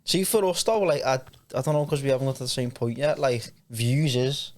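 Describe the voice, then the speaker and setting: A man's voice: medium pitch, lively intonation, fairly quick, a little mellow. A young man co-hosts a podcast in a mid-range voice. His talk is casual, informal and full of slang. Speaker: podcast co-host. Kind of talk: casual chat.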